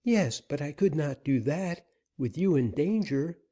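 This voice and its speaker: A man's voice: on the high side, expressive, unhurried, dark tone, pitched above the performer's own voice. A man voicing an anxious young woman in a storybook reading, pleading and breathless.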